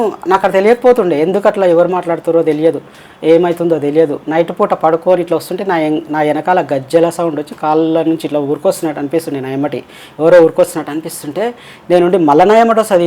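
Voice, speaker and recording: This is a warm, medium-pitched voice belonging to a transgender interview guest with a Telangana Telugu accent. The guest casually tells long, wandering personal stories and acts out the voices of others.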